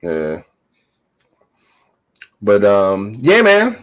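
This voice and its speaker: A man's voice: lowish voice, huge pitch swings, drawn-out words. A man in his thirties hosting a podcast, talking in a loose, slangy way and laughing often. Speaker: podcast host. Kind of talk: casual podcast chat.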